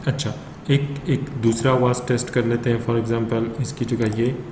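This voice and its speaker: A man with a South Asian accent gives a casual software tutorial, explaining informally step by step. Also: medium pitch, little pitch movement, measured pace. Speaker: tutorial presenter. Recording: noticeable background noise.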